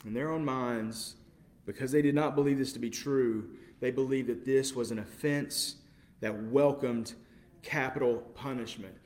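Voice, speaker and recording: A man preaching a sermon with passion, moving between quiet, measured passages and loud, incredulous outbursts. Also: medium pitch, steady tone. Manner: impassioned, swings from quiet to loud exclamation.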